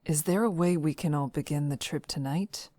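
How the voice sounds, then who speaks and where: A level-headed, guarded woman protector from a visual novel. Her voice is very low and dark, measured and calm, with a dry close sound. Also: no room sound.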